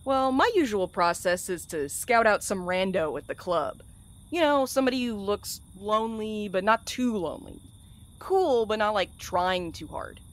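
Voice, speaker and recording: A woman's voice: medium pitch, expressive, normal speed, lightly acted. A woman acting in a fiction podcast as a sardonic, blunt courier with a dry, slangy, wisecracking way of talking. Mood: wry. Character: sardonic, blunt, irreverent courier and loyal friend.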